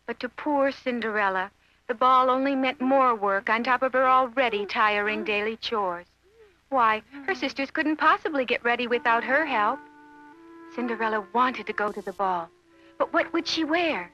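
A woman storyteller reads a children's fairy tale expressively, in a bright, somewhat high voice. Her delivery is measured and scripted, with soft music behind and a slightly dull recording. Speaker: storyteller narrator.

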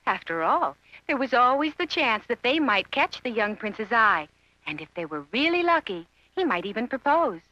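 A woman narrating a children's fairy tale from a script in an expressive, measured storybook manner. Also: on the high side, dry recording. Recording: dull lo-fi audio, music behind.

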